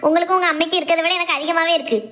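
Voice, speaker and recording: Woman voicing a scolding middle-aged housewife, rapid, sarcastic. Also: extremely high pitch, steady tone, a bit bright. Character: sharp-tongued middle-aged housewife and strict mother. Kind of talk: comic family skit.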